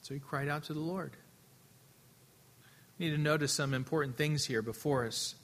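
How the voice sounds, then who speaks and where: A man preaching a sermon earnestly, his voice swelling louder and then dropping soft, often repeating words as he restarts. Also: on the high side, steady tone, normal speed. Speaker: pastor.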